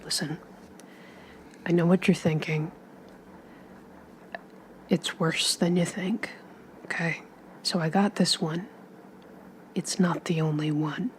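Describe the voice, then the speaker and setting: Woman playing a low, hushed down-on-his-luck detective. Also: steady tone, a little hiss or hum. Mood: confiding. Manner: hushed, halting, defensive. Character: down-on-his-luck male private investigator, evasive, pleading.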